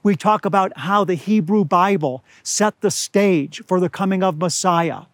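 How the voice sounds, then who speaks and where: An older man preaching a sermon outdoors at high altitude, slightly hoarse, earnest and deliberate, slowing down to stress key words. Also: no echo. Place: outdoors among pine trees at high altitude.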